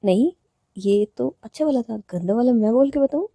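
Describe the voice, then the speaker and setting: A woman's voice: on the high side, lively intonation, moderate pace, warm tone, dry recording, clean studio sound. A woman voicing a playful, teasing young woman in love who coaxes and plays with words. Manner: teasing, coaxing, wordplay.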